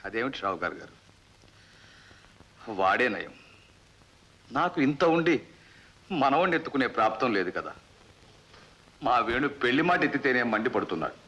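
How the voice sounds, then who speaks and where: A man's voice: medium pitch, sing-song, normal speed, pauses often, bright, forceful tone. A wistful rich old man. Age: older. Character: wealthy old man longing for a grandson. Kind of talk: 1960s film acting. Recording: dull old film soundtrack.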